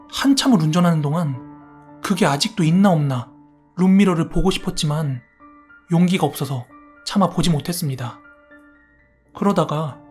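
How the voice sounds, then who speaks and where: A man narrating a first-person horror story in a soft, steady storytelling tone. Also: fairly high pitch. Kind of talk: calm scripted horror narration.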